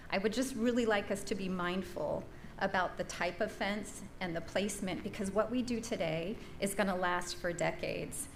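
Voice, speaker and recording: A woman giving an earnest, measured public comment at a school board meeting. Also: mid-range voice. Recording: roomy echo, faint noise.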